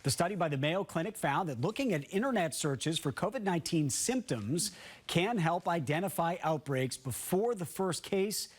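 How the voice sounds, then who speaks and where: Higher-pitched man anchoring morning news. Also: animated, moderate pace. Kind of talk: scripted TV morning news read.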